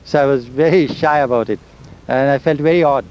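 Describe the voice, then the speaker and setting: An older man, slowly recalling old memories in an oral history interview, with a loud voice. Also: mid-range voice. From India. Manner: slow, halting storytelling of memories. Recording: dull lo-fi recording with faint hiss and vehicle sounds.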